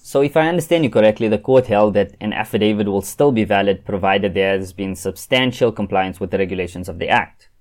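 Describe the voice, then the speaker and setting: Man, fairly low pitch, articulate, formal panel discussion style. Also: fairly quick.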